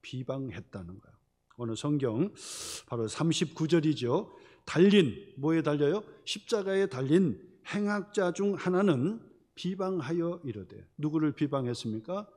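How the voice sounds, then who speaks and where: Emphatic higher-pitched male pastor preaching. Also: lively intonation, normal speed, a little mellow. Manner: emphatic, repeats phrases, asks the congregation rhetorical questions. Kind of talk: sermon.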